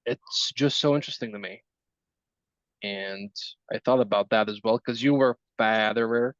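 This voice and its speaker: A man in his twenties chatting casually in a group session, teasing and chatty with halting starts. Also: on the low side, steady tone, no room sound, muffled recording. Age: 20s. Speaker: group participant. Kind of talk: casual chat.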